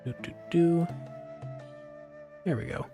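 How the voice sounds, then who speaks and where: A man chatting casually as he livestreams a game, informal and thinking out loud. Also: a little high, slow. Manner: informal, chatty, muses aloud. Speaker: game streamer. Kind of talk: casual livestream chat over gameplay. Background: game music.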